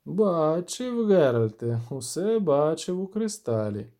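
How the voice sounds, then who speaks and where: A man voicing an old male wizard who is scornful and fussy, his pitch jumping up and down as he talks, in a dark-toned audiobook reading. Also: big pitch swings, takes it slowly. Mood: grave.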